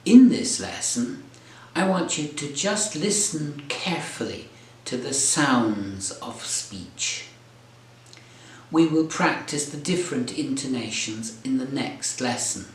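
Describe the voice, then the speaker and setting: A male English tutor talks learners through a lesson in a clear, deliberate, encouraging way. He speaks very slowly at an ordinary pitch. His voice carries a noticeable room echo. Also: expressive. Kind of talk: slow, careful teaching explanation. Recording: roomy echo.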